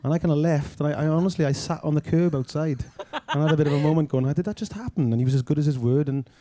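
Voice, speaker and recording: Man from Wales, quick and lively raconteur who laughs and acts out quotes; very dark timbre. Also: on the high side, dry recording. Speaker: film director guest. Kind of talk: anecdotal storytelling.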